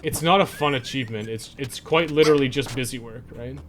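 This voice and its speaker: A man's voice: medium pitch, brisk, noisy background. A man chatting casually as he streams a game, rambling and swearing freely as he goes. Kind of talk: casual livestream chat while playing.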